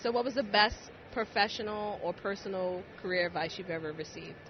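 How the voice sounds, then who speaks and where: Male podcast interviewer, very high lively voice, effusive teasing banter, slightly muffled location sound. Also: a little fast. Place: on location at a busy convention. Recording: dull lo-fi, faint event background noise.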